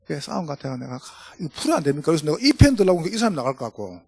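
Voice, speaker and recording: A middle-aged male pastor with a Gyeongsang Korean accent tells jokey stories from the pulpit. His fairly high voice rises and falls a great deal and has a husky edge. The sound is close and dry. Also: racing, no room sound. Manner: storytelling, jokey, animated. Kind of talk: humorous sermon to pastors. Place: church.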